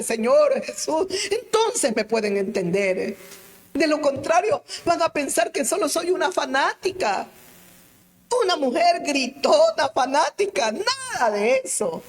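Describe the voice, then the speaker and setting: A woman evangelist preaching a sermon with fervent, drawn-out phrasing that rises to near-shouts and tearful cries. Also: sits high. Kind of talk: impassioned radio sermon.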